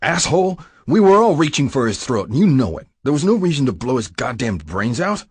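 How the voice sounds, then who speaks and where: A man voicing a hot-tempered biker second-in-command who yells hard, his husky voice jumping way up in pitch and volume. the sound is dry and close, straight from an audiobook booth. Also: sing-song, a little fast, no room sound. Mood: enraged. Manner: shouting, furious. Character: male biker club vice president, hot-tempered.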